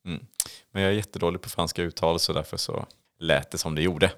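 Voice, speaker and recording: A man's voice: deep voice, fairly even intonation, fairly bright tone. A man co-hosting a casual podcast, leading the topics and talking with frequent hesitations and restarts. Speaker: podcast co-host. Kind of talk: casual chat.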